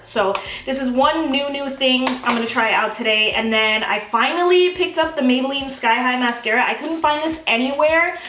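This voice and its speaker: A woman's voice: fairly high pitch, fairly bright tone, echoey room, far from the mic, slight background noise, rough recording. A young woman chatting bubbly and gushing through a makeup tutorial at home, talking straight to her viewers. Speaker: beauty vlogger. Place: home, filming herself.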